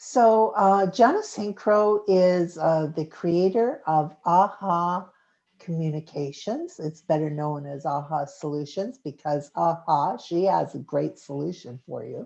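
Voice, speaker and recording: A woman with a fairly low pitch and a dark, mellow tone speaks at a fairly slow pace with hardly any pauses, big swings in loudness and ordinary pitch variation against a quiet background. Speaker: talk show host. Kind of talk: online talk show introduction. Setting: online video call. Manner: halting, many fillers.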